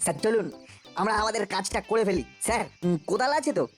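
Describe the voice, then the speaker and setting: A woman as quick-talking mischievous cartoon boy. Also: medium pitch, soft background music, lightly acted. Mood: scheming. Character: clever, mischievous ten-year-old boy prankster.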